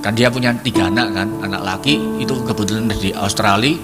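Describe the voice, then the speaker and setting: Halting man giving church testimony, music behind. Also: fairly low pitch. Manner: halting, many fillers and repeats, searching for words. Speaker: congregation member giving testimony. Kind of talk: spoken testimony at a prayer service. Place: church hall.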